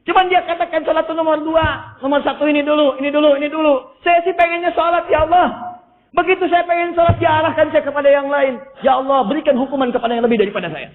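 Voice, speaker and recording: A man's voice: fairly even intonation, fast talker. A man preaching voices a desperate sinner who pleads and whines on judgment day. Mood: pleading. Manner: high-pitched, whining plea. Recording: tinny echoey hall recording.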